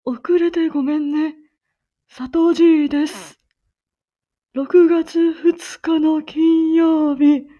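Woman putting on a slow old grandpa. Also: sits high, steady tone, mellow, muffled recording, pitched above the performer's own voice. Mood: cheery.

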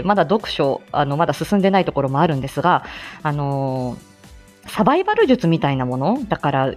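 A woman's voice: on the low side, a little mellow. A woman who works as a speech-language therapist, chatting casually on her own live stream, full of fillers and little laughs.

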